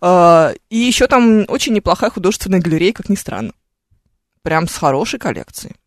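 A woman co-hosts a morning radio show, trading travel stories with mock enthusiasm and quick ironic asides. Her voice sits close and dry on a studio microphone, with no room sound around it. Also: on the low side, expressive, dry recording. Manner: chatty, ironic storytelling. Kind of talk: casual on-air chat.

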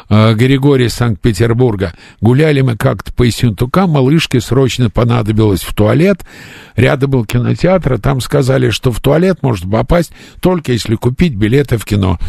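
A male radio host with a gravelly, husky voice, joking around and reading questions aloud. The sound is dry and close to the mic. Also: mid-range voice, expressive, normal speed, darkish tone, no room sound. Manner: jokey, reads out listener questions. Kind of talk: casual radio interview.

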